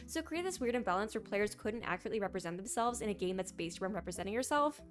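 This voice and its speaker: A young woman with a hoarse, raspy voice from a sore throat, chatting casually as a gaming news commentator and reading posts aloud. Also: mid-range voice, lively intonation, rapid-fire, soft background music.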